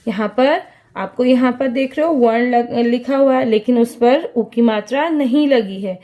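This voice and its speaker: Slow, high-voiced woman teaching young children. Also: warm tone. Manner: slow, repeats questions and answers for small children. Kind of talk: children's lesson.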